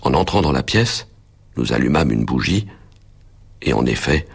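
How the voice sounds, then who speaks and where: A man reads a story aloud in measured audiobook narration. His voice sits extremely low and gravelly, with a deep fry in the tone. The sound is heavily husky and breathy throughout. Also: sing-song.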